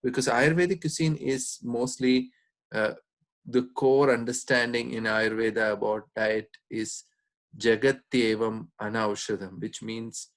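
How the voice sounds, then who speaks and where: With frequent pauses and a hesitant, measured manner, a man explains things informally in his role as a doctor. His voice sits at a medium pitch.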